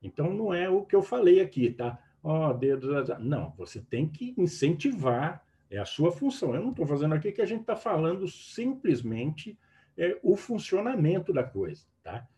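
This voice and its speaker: A man's voice: a little high, big pitch swings, normal speed, mellow. A man, teaching hypnosis techniques to a group in an emphatic way and often checking in with his listeners. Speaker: hypnosis instructor.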